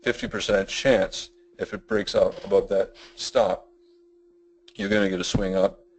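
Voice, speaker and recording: A middle-aged man with a self-described boring, monotone voice presents a trading webinar, rambling through his points with many fillers and restarts. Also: low voice, measured pace, a little hiss or hum. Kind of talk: webinar lecture.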